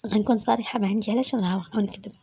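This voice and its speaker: A woman with a Moroccan accent voicing a guarded, inexperienced young woman, in a soft, half-whispered delivery. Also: medium pitch, fairly even intonation, racing, creaky, husky, no echo. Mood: defiant.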